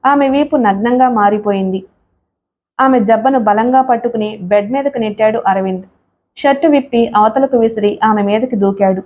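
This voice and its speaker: Woman storybook narrator, mellow tone, steady dramatic read. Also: a little high, normal speed.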